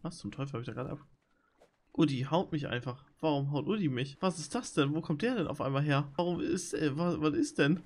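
A young man streaming a video game, talking to his viewers and reacting loudly to the action. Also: fairly high pitch, brisk. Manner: excitable, swings between shouting and muttering. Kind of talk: live gaming commentary.

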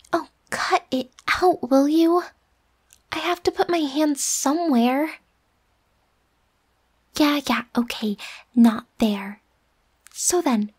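A woman playing a bossy, defensive but secretly affectionate young roommate in an ASMR roleplay, huffy with breathy whispered asides. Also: high voice, full character voice. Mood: annoyed, teasing.

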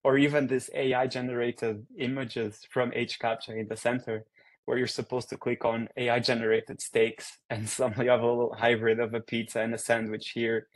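A young man from Portugal gives a research talk over a video call. His voice sits at a middle pitch. He talks in an easygoing, upbeat way, with fillers and quick restarts. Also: flat delivery. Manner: casual, upbeat presenter with frequent fillers. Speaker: guest speaker.

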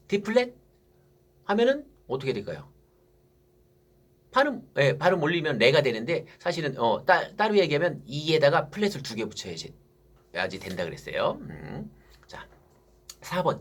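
A man's voice: fairly high pitch, breathy edge. A man teaching basic music theory for saxophone, asking his students questions and answering them himself.

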